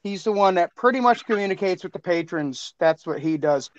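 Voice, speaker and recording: A man co-hosting a podcast in casual chat, excitable and repeating himself. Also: sits high, a little fast, no room sound, dull audio. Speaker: podcast co-host.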